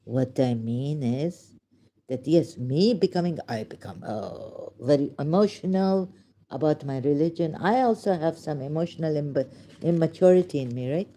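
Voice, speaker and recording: A woman's voice: sits low, lively intonation, moderate pace, dark tone, slight background noise. A woman with a Pakistani accent giving rambling, sarcastic religious commentary in broken English. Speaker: vlogger.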